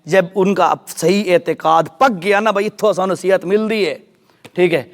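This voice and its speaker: A man giving a sermon in a mosque, telling a story and checking in with his listeners. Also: high voice. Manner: animated storyteller, addresses audience directly. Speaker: preacher.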